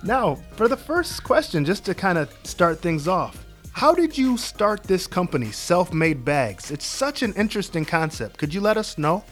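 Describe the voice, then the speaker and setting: A man with a somewhat high voice hosts a podcast. He speaks earnestly and encouragingly as he gives tips and introduces a guest. Soft music plays faintly beneath him. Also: very animated, normal speed. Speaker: podcast host. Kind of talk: casual podcast chat and interviewing.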